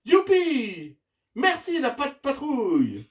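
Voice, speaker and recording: A man voicing a cheerful woman goat farmer in a read-aloud storybook, calling out in a high, excited voice. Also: slow, reverberant, recorded from a distance, full character voice.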